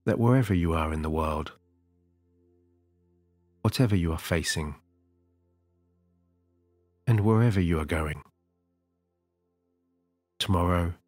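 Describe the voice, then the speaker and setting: A man with a very low, husky voice eases the listener toward sleep in a slow, soothing hypnotic cadence. He is recorded close and dry, with a soft music bed playing quietly beneath him. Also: no room sound.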